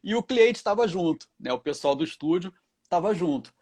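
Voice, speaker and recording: A male voice actor and dubbing director, answering interview questions with animated stories, acting out quoted lines in other voices and laughing often. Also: sits high, normal speed.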